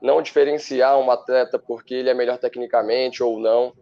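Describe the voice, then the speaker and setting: A man, a football coach on a studio interview, who explains his views fluently and in a measured way. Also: medium pitch, fairly even intonation, warm tone, highs cut off. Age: 30s.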